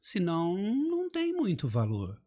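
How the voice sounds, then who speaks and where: A middle-aged man chats about public speaking on a podcast. His voice swoops up and down as he acts out examples, and it has a slightly husky edge. He sounds emphatic and animated. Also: a little high, moderate pace. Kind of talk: casual podcast chat.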